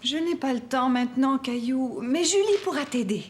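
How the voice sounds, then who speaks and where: A woman's voice: high voice, animated, normal speed, a little mellow. A woman voicing a kind, patient young mother in a French children's cartoon. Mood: gently apologetic.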